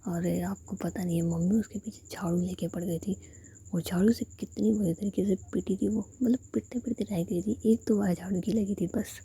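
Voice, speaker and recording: A woman's voice: medium pitch, steady tone, brisk, vocal fry, mellow, breathy edge. A woman whispering as a gossipy younger sister.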